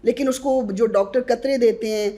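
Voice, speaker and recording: A woman's voice: on the high side, dark tone. A woman who is a guest on a podcast interview, earnestly advising mothers on newborn care and addressing them directly.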